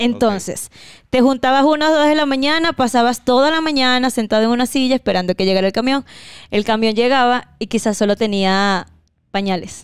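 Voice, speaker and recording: In a dry sound with no echo, a woman speaks at a fairly quick pace with a high pitch, ordinary pitch variation and big swings in loudness. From Venezuela, Caracas (Petare); Venezuela. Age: 20s. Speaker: Venezuelan migrant guest; guest. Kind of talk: casual interview. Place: home room. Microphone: handheld.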